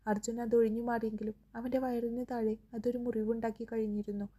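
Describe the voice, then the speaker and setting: A woman narrates a romantic novel in a steady, scripted storytelling manner. Her voice is slightly high but very flat, with almost no rise and fall. The tone is deep-mellow with a husky edge. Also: a little fast.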